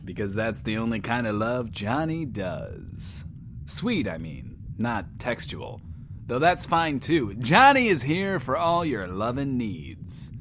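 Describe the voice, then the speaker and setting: Johnny, a wildly animated radio DJ. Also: male voice, mid-range voice, slow pace, background noise. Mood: flirty, theatrical.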